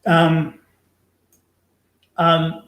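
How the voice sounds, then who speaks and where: A man's voice: on the high side, monotone, very slow, a bit bright. Chatty man on a live stream, echoey room. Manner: chatty, repeats himself for emphasis, many fillers. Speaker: livestream host reading viewer chat. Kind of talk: casual live chat.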